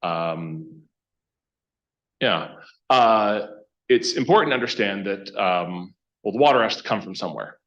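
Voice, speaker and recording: A man giving an informal presentation to a council as a consultant, speaking in a halting, conversational way and often restarting his sentences. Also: lowish voice, animated, a bit bright. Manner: halting, conversational, self-interrupting. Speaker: consultant project lead presenting. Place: council meeting room. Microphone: meeting microphone. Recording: dull, band-limited meeting room microphone.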